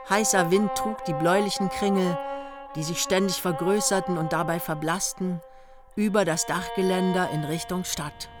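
An actress narrating a literary radio play in the third person as a storyteller. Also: female voice, lowish voice, lightly acted. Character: female narrator of a young couple's holiday tale. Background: music.

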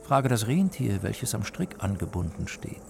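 A man reading a fairy tale aloud and voicing the cooing forest pigeons in a soft storytelling manner. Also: lowish voice, big pitch swings, measured pace, gravelly, heavily acted. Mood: plaintive. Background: music.

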